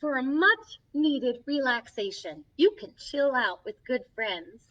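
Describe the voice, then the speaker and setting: A woman's voice: high-pitched, very animated, slow, fairly bright tone, exaggerated voice. A woman playing Snow White as a sweet, encouraging young princess, hosting a children's story time with sing-song, reassuring delivery, recorded from a distance with slightly dull sound. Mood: gentle, cheerful. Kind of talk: children's storytelling, reading a picture book aloud.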